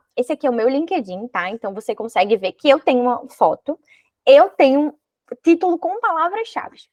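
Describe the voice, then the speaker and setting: Her voice is high-pitched, with very wide pitch swings. The woman's sound is dry and close, with no echo. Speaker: recruiter and mentor. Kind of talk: online workshop presentation. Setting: video call. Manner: fast.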